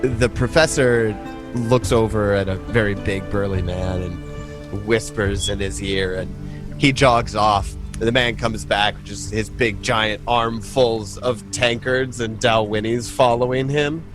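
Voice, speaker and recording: A man acting as game master, improvising narration in a casual, halting, descriptive way. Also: on the low side, steady tone, over music.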